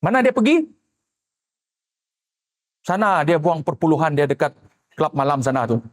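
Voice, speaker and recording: A male pastor preaching a sermon, swinging between loud exclamations and quiet asides and acting out the people he quotes. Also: on the high side, sing-song, moderate pace.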